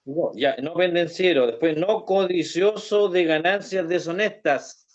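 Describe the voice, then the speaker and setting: A man, a Bible study participant who reads verses in a halting way and comments. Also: sits high, lo-fi sound. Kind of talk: reading scripture and discussing.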